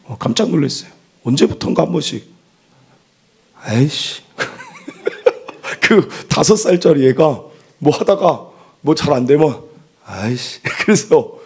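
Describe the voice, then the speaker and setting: A man's voice: a little high, darkish tone, husky. A man in his thirties preaching a sermon as pastor, asking the congregation questions and building to impassioned peaks.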